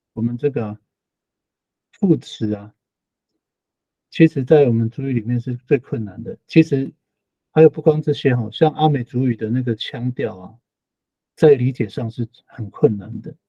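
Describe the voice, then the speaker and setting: A man talks through an online language lesson at an easy, patient teacher's pace, going back over each phrase and tagging his sentences with little particles. His voice is a touch husky, and the recording sounds dry and slightly dull, like lo-fi class audio. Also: medium pitch, normal speed, pauses often, warm tone, no room sound. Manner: patient explaining, repeats phrases, frequent tag particles.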